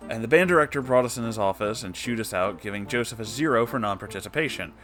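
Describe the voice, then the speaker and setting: A man's voice: fairly low pitch, expressive, quick pace, a bit bright, faint music behind. A man hosting an online story reading, speaking expressively and informally with casual swearing. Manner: profane, informal. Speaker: online story reader and host.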